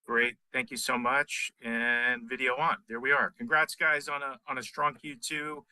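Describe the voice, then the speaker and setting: A male financial analyst puts questions on an earnings call. His voice is very bright and sharp, in a dry acoustic. His phrasing is halting, with small stammered restarts. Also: medium pitch, level tone, clean tone, dry recording, rough recording.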